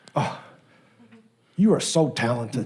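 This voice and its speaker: In a room with audible echo, a man talks at a fairly slow pace with a fairly high pitch. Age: 70s. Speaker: author and medium. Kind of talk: casual talk to church congregation. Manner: halting, many fillers.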